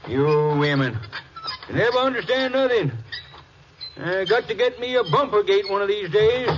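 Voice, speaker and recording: An actor playing a cantankerous older farmer with a rural Texan accent, grumbling in folksy exasperation in a 1950s radio drama. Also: male voice, high voice, lively intonation, moderate pace. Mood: dismissive. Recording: noisy, muffled 1950s radio recording.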